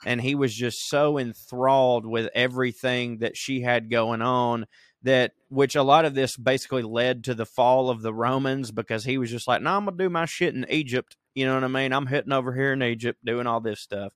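A man co-hosting a podcast in loose, rambling talk full of jokes and swearing, with a middle-pitched voice. The sound is dry and close, with no room around it. He drifts from point to point and talks himself through his ideas. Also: steady tone, a little fast, fairly bright tone, dry recording. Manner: profane, rambling, joking. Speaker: podcast co-host. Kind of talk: casual comedic chat. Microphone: remote recording.

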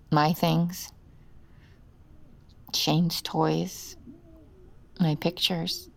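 An actress playing a haunted, grieving middle-aged mother, speaking in a hushed, weary, half-whispered way in an audio drama. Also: sits low, vocal fry, full character voice.

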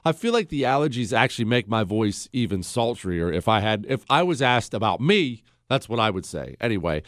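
A man hosting a talk radio show, speaking in an animated, sarcastic monologue with wide swings in pitch and a slightly congested voice. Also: a little fast, no echo, studio quality. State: congested from allergies.

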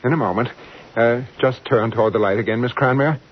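A man's voice: mid-range voice, brisk, natural voice. An actor playing a flustered, besotted married man in an old radio drama, stammering and hesitant. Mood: earnest, smitten. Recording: muffled vintage radio recording.

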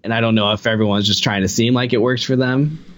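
A man's voice: mid-range voice, fairly even intonation, quick pace. A young man talking as a guest musician on a podcast, rambling casually with a lot of "like" in his sentences. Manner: rambling, heavy use of filler "like".

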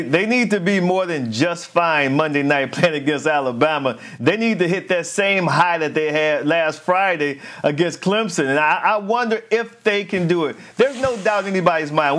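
A man's voice: high-pitched, fairly bright tone. A man on a sports panel, making emphatic points and posing questions to his colleagues. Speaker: football analyst. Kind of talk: sports analysis.

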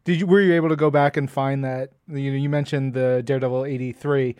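A man's voice: medium pitch, fairly even intonation, fast, darkish tone, clean tone, dry recording, clean studio sound. A man interviewing a guest casually as a podcast host.

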